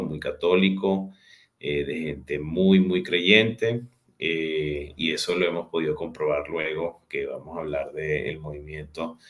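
A man in his forties with a Venezuelan accent, telling his life story as a guest on a video call, unhurried and full of hesitant fillers. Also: extremely low pitch, a bit bright. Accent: Venezuelan Spanish. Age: 40s. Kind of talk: personal storytelling in an interview. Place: home room with a large window. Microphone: video call webcam.

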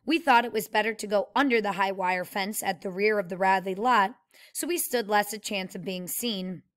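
A woman reading a novel aloud in a steady, plain way and pausing to explain the story like a teacher. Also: medium pitch.

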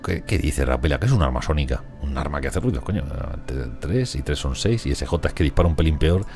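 A man's voice: rumbling low, expressive, fast talker, music in the background. A man with a Spain Spanish accent giving rambling, chatty gameplay commentary and talking to his characters. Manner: rambling, chatty, talks to colonists. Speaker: gaming streamer. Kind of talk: casual let's play commentary.

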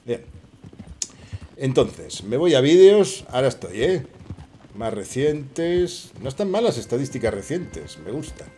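A middle-aged man from Spain speaks with a Spanish accent in a mellow, relaxed tone. He jokes and curses casually while narrating his game to viewers. His voice comes close through a headset mic in a small room. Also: medium pitch, a little slow, breathy edge, faint music behind. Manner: joking, swearing, chatty asides to viewers. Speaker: gaming channel host. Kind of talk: casual gameplay commentary.

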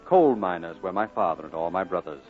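A man's voice: deep voice, animated, brisk. An actor playing a nostalgic old Welsh man, lyrically narrating his boyhood in a 1940s radio drama. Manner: lyrical, wistful storytelling. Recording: narrowband old radio broadcast with music.

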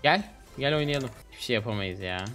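A man in his twenties streaming a game, chatting casually and excitably with slangy, teasing banter. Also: medium pitch, fairly quick, faint music behind. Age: 20s. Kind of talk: casual gaming commentary with a teammate. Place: small home streaming room, indoors.

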